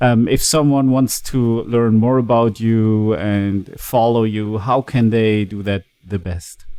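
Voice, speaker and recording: At a very slow pace with hardly any pauses, a man with a German accent speaks in a dark, mellow tone and fairly even intonation. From Germany. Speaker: podcast host. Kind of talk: casual interview chat. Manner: speaking high in the head, not in chest.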